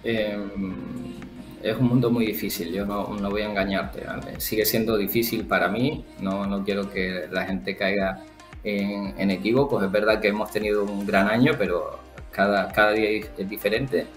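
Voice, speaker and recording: Low-voiced Canarian man, echoey room. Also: fairly even intonation. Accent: Canarian Spanish. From Canary Islands, Spain. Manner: thoughtful, halting with many fillers and restarts. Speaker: football agent. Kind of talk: interview guest, casual conversation. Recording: roomy echo with faint background music.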